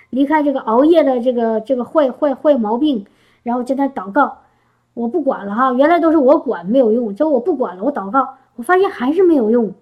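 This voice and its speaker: A middle-aged woman preaches in a high, light voice. She talks to her listeners like a friend, restarting her phrases and asking them rhetorical questions. Her sermon sounds like a relaxed, informal chat. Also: dull audio.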